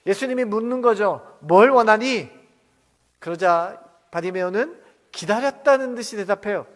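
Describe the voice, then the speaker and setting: Male pastor, high voice, sermon, echoing church hall, questions to the congregation, soft to loud. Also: moderate pace. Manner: asks the congregation many questions, dramatic shifts between soft and loud. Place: church sanctuary. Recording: long reverb of a church hall.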